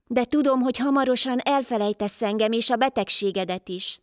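A woman voicing Life, a wandering healer, in a calm, measured storybook voice. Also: a little high, dry recording, clean studio sound, lightly acted.

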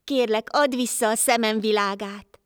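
A woman voicing a blind man in a folk tale, raising her voice higher for him. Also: fairly even intonation, smooth, dry recording, clean studio sound, natural voice. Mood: pleading. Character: blind man, eager then rude and ungrateful.

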